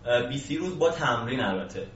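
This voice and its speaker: A man's voice: mid-range voice, expressive, fairly bright tone. A man giving casual, explanatory answers as an interview guest. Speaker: programming instructor, interview guest. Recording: echoey distant mic, muffled, faint hiss.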